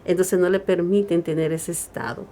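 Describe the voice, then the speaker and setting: A woman's voice: on the low side, fairly even intonation, normal speed, dark tone, a little hiss or hum. Emphatic woman preaching on radio. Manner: emphatic preaching, quotes scripture with raised voice. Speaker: radio show co-host. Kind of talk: Christian radio talk.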